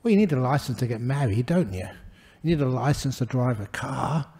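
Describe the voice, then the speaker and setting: An older man, a Buddhist monk giving a gentle, humorous dharma talk to a gathering. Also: medium pitch, lively intonation, a little fast, slightly rough. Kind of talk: relaxed dharma talk with anecdotes.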